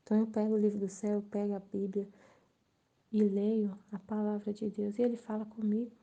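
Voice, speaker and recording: A woman sharing an earnest, emotional spiritual testimony, sometimes dropping to a soft near-whisper. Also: mid-range voice, flat delivery, fairly quick, highs cut off. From Brazil. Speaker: Catholic channel presenter.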